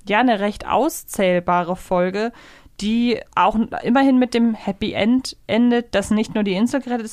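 A woman co-hosts a review podcast. Her pitch sits in the middle of the female range, and she sets out her opinions in considered, articulate sentences. The sound is dry, with very little room on it. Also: no echo. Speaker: podcast co-host.

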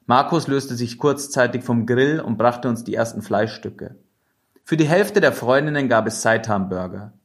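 A man narrating a novel in the first person, in a measured and expressive reading. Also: mid-range voice. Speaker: audiobook narrator.

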